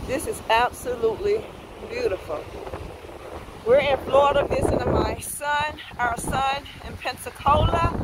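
A woman is heard over noticeable background noise. The sound is dry with no echo. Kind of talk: casual vlog chat. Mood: cheerful, appreciative. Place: beach. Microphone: phone near.

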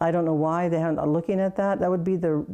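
Against a quiet background, a woman talks in a fairly low, dark, mellow voice with fairly even intonation. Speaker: former First Nation chief. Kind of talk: interview answer. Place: home room.

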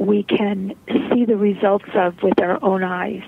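Against noticeable background noise, a woman talks at a medium pitch and a fairly slow pace. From Philadelphia, US (born in Poland). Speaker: travel company founder. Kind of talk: interview.

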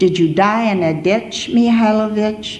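With an unremarkable speaking voice, a woman talks at a fairly slow pace and a fairly high pitch with ordinary pitch variation, light background noise behind her. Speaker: poet. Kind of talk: poetry reading. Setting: stage with audience. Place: hall. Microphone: podium.

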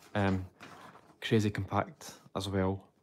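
A man speaks with a Scottish accent. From Scotland. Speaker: origami artist and streamer; streamer. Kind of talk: casual live-stream chat. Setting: home live stream. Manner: relaxed, hesitant with many fillers.

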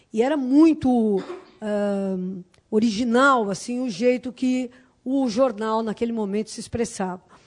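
Against a quiet background, a woman uses a normal speaking voice at a fairly high pitch, with ordinary pitch variation and a fairly slow pace. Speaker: journalist. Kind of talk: panel debate. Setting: stage with audience.

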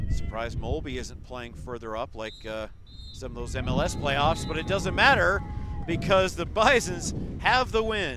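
A man at a fairly slow pace, with big swings in loudness, dry sound with no echo, and noticeable background noise. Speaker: soccer commentator. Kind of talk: live play-by-play soccer commentary. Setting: broadcast of a match at the stadium. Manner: knowledgeable, analytical, explaining tactics between plays.

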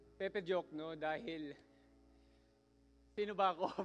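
Music plays faintly behind the voice. The speaker is a man. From Philippines. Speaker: actor, award winner. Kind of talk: acceptance speech. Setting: stage with audience. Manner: halting. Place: hall. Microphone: podium.

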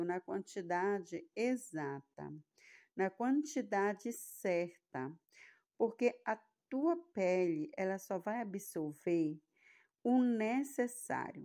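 Over a quiet background, a woman speaks at medium pitch in a dark, mellow tone. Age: 40s. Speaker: beauty and home remedy video creator. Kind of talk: tutorial.

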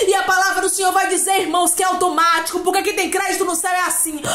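Music plays in the background as a woman speaks in an animated tone at an extremely high pitch, with audible room echo. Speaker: preacher. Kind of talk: sermon. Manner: animated, exhorting, fervent; repetitive, rhythmic, with frequent hallelujahs. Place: home room. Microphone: phone near.

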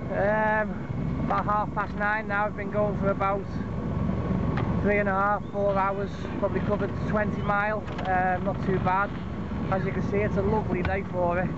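Over loud background noise, a man talks at a moderate pace with long, frequent pauses, the sound dry with no echo. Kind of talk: casual vlog chat. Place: boat. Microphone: phone near.

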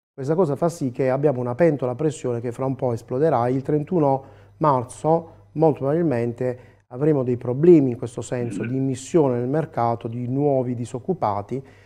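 This man's tone is dark and mellow, set against a quiet background. He moves at a fairly quick pace with fairly even intonation. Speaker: labour law professor and lawyer. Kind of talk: TV panel discussion. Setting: studio. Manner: halting. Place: studio. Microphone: lapel.

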